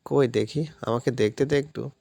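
A caring young man, gentle and protective, speaking with soft sympathy, as a narrator voices him. The sound is dry and close, with a gravelly grain. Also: mid-range voice, normal speed, no echo. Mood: tender.

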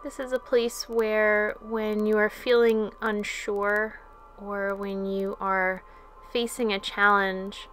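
A woman leading a guided relaxation as a yoga instructor, speaking in a calm, soothing way with long pauses. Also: medium pitch, a little hiss or hum. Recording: soft music under the voice. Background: music.

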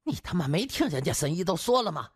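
A man's voice: a little high, sing-song, quick pace, breathy edge, pitched above the performer's own voice, full character voice. A man voicing a jealous, hot-tempered husband, crude and accusing, in an audio drama. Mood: furious. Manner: ranting, accusing, swearing.

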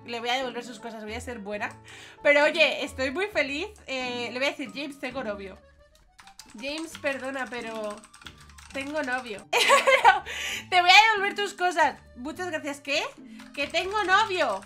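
High, bright-voiced young woman. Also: moderate pace, soft background music. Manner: chatty and giggly, with excited squeals. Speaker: gaming YouTuber. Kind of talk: casual gameplay commentary.

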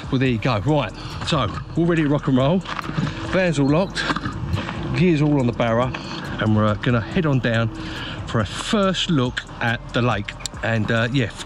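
A man filming himself outdoors at a lakeside car park, chatting to camera and explaining his kit step by step with frequent restarts. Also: mid-range voice. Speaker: fishing vlogger. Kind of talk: casual vlog talk to camera. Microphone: handheld action camera at arm's length. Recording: outdoor camera audio with clear background noise.

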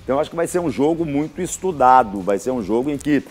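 A man's voice: mid-range voice, animated, fast talker, darkish tone. A middle-aged Brazilian man giving football analysis on a TV studio show, emphatic, repeating his points, with folksy sayings. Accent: Brazilian Portuguese. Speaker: football commentator. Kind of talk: live TV sports analysis.

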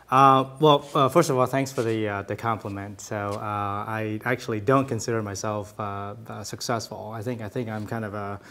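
A man's voice: fairly low pitch, fairly bright tone, a little hiss or hum. A man in his forties from Hong Kong, a business owner answering questions in a TV studio interview, speaking with many fillers and restarts. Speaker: franchise owner, interview guest. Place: small TV studio, seated at a table.

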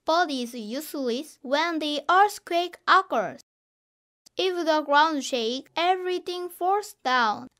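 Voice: high voice, animated, slow, sharp tone, heavily acted. A performer playing an earnest, anxious little kindergarten child in a children's storybook audiobook. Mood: worried.

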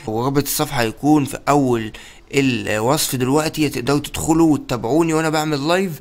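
A young man with an Egyptian Arabic accent giving excited, exclamatory commentary while hosting his gaming channel. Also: mid-range voice. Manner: energetic, exclamatory, rapid-fire.

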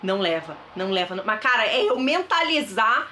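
Very animated and fairly quick, this thrift vlogger talks in a mid-range voice with a sharp tone, chatting enthusiastically to viewers in a casual haul vlog. She's a woman in her thirties with a Brazilian Portuguese accent. A close camera mic picks her up in an indoor bedroom with a wardrobe, with a little hiss or hum.

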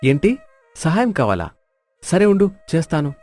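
A man voicing rough, scheming village men in an animated moral story, gruff and challenging. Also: on the high side, normal speed, soft background music. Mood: mocking. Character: rough, scheming village men: troublemaker and deep-voiced fisherman.

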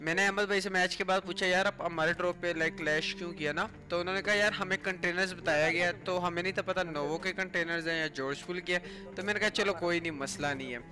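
A man with a high, steady voice talks quickly with few pauses, providing casual, explanatory commentary over mobile game footage. As a gaming YouTuber, he retells the exchanges between players. Background music runs throughout.

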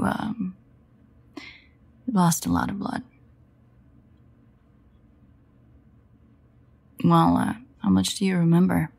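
Low, husky sardonic vampire woman played by an actress. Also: darkish tone, heavily acted. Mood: relieved, awkward. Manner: sarcastic, grumbling, hesitant asides. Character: sardonic, guilt-ridden female vampire, protective and foul-mouthed. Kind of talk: intimate audio roleplay acting.

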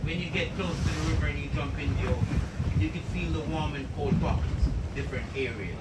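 A Jamaican man guides a boat tour in a relaxed, chatty way, often tagging his points with "yeah, man." His voice sits fairly high. It was recorded outdoors from a distance, with loud wind, water and engine noise behind it. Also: brisk, echoey room. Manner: easygoing, repeats "yeah, man" and checks in with "yeah?".

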